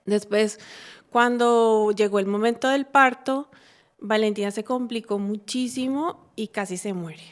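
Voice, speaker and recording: A woman from Colombia, giving a personal faith testimony in a halting, earnest way with many pauses and restarts. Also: on the high side.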